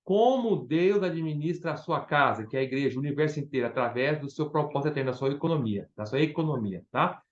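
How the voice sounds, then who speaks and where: A man's voice: fairly high pitch, expressive, quick pace, few pauses, dull audio. A man preaching a Bible study in Brazilian Portuguese, emphatic, often questioning his listeners.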